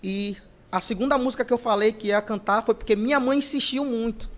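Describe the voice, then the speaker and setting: A male singer, a podcast guest, telling his story in a casual interview and lively acting out the voices of people he quotes. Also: very high voice, brisk.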